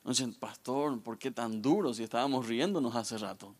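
A man's voice: mid-range voice, normal speed. Joking man preaching to young people. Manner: lively, joking, talks straight to the audience. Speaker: guest pastor. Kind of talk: youth sermon with humorous stories.

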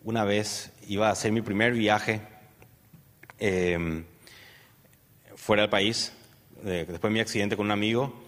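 A man's voice: on the low side, fairly even intonation, measured pace, pauses often, fairly bright tone. Paraguayan man telling his story. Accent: Paraguayan Spanish. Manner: rambling storyteller, many fillers and "¿verdad?" tags. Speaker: interview guest. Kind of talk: personal testimony in an interview. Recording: long hall reverb.

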